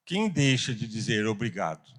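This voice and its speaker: A man with a Brazilian Portuguese accent teaching a Bible class, earnest, asking rhetorical questions and pausing for emphasis. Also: on the low side, very animated. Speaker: Sunday school teacher.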